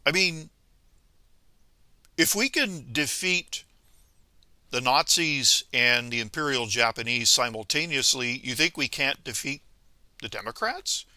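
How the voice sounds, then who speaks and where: A man from Venezuela speaking a political monologue to viewers, halting with many pauses and restarts, then scolding emphatically. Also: mid-range voice, animated, sharp tone, no echo. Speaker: commentator.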